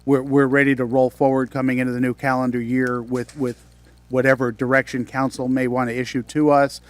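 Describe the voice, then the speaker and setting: A man speaking in a council chamber, flat and even in pitch. He sounds measured and accommodating, laying out the next steps. The sound is dry, with no room echo. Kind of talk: council meeting remarks.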